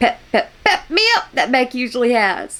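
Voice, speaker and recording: With an American accent, a woman talks at a high pitch with very wide pitch swings over noticeable background noise. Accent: Texas accent, sometimes pronounced. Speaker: YouTube reaction commentator. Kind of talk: reaction commentary.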